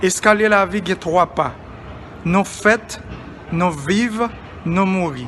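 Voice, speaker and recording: The speaker has a Haitian accent and talks at a very slow pace. Noticeable background noise is present. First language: Haitian Creole. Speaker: poet. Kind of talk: poetry reading.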